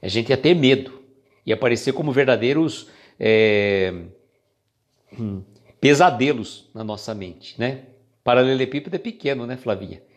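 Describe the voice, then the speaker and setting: A man with a Brazilian Portuguese accent who reads passages from a spiritual book slowly, then explains them in a casual chatty way. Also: mid-range voice. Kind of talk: casual reflective reading and commentary.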